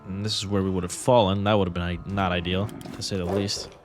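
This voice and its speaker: A man's voice: deep voice, flat delivery, fast talker, faint music behind. A young man casually commenting on his gameplay, rambling and joking with viewers. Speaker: gaming creator. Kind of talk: let's play commentary.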